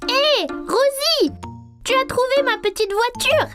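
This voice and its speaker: A woman voicing a curious, excitable four-year-old boy in a dubbed cartoon, speaking with wide-eyed eagerness. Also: extremely high pitch, slow. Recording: cartoon soundtrack with music beneath.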